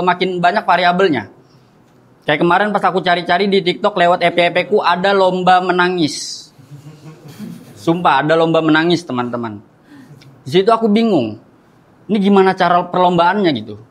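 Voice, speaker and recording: A young man doing stand-up comedy, chatting and often turning to the crowd. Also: high voice.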